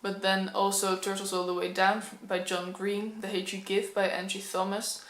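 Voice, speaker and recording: Young Dutch-accented woman, casual book vlog to camera, candid and slightly nervous, mid-pitched voice, roomy echo. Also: level tone, moderate pace, slight background noise. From Netherlands. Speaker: book vlogger. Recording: echoey room.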